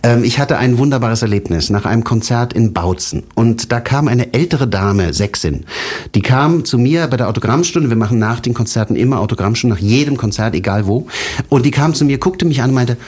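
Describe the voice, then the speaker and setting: A man speaking in a casual interview, at a middle pitch, with a lively storyteller's manner. He jokes, drifts into anecdotes and slips into quoted voices. He grew up in Berlin and speaks German and Italian from childhood. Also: brisk, husky. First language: German and Italian, bilingual. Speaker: singer, interview guest.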